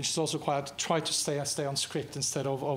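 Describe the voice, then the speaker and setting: With a Norwegian accent, a man speaks fairly quickly at a medium pitch and fairly even intonation, with audible room echo. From Norway. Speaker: business executive. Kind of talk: lecture. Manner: halting.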